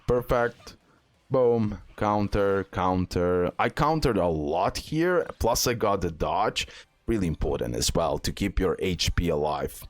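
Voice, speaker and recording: A man's voice: low voice, no room sound. A man who speaks English as a second language gives casual gameplay commentary, often repeating words and phrases for emphasis. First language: not English. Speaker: gaming content creator.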